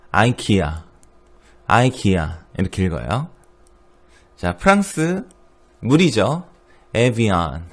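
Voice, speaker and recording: Korean teacher, male, low and animated, slow drilling of brand names, repeats each word. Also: vocal fry. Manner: repeats each brand name slowly, then explains. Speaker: English pronunciation teacher. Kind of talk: lively pronunciation lesson.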